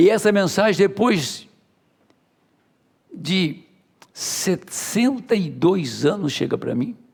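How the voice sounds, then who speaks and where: Speaking at a very slow pace, a man uses a high pitch and lively intonation. He leaves long, frequent pauses. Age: 70s. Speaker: pastor. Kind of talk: sermon. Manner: halting.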